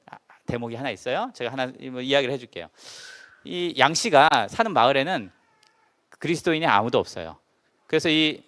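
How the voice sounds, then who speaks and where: Lively, animated male pastor telling a story. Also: mid-range voice. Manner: animated storyteller with rhetorical questions to the congregation. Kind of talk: sermon storytelling. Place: church service.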